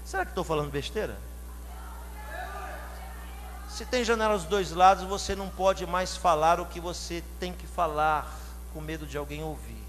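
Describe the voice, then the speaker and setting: High-voiced preacher from São Paulo. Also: male voice, fairly quick. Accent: São Paulo Portuguese. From São Paulo, Brazil. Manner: rising to loud shouted climaxes, drawn out; asks the congregation direct questions. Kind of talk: sermon. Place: church hall. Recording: long hall reverb, faint hum.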